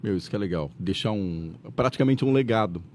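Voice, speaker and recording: Host: man, quick chummy reactions, low voice and rapid delivery. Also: lively intonation, darkish tone, slight background noise. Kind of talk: casual interview.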